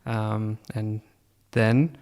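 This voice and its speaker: Smooth-voiced young man from Pakistan. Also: on the low side, steady tone, drawn-out words, darkish tone. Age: 20s. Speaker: podcast guest. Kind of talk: casual interview chat.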